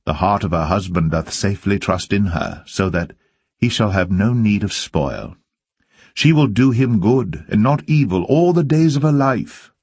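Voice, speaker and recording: A man reading scripture aloud as solemn narration, with measured and deliberate phrasing. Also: on the low side, expressive, a little mellow, slightly rough, no echo. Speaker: Bible reader.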